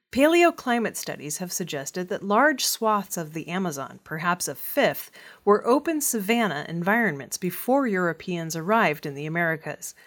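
A woman reading scripted weekly news items in a measured, even delivery. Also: medium pitch. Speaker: news reader.

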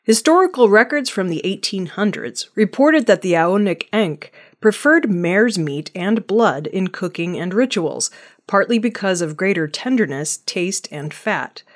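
A woman reading archaeology news headlines and stories in a measured, scripted newsreading style. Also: mid-range voice, lively intonation. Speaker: news reader.

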